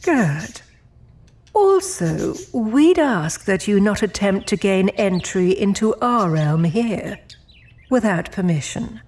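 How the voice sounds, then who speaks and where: A woman playing a genteel, imperious female demon in an audio drama, speaking formally with cool, measured politeness. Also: medium pitch, sing-song, a little mellow. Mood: gracious, warning.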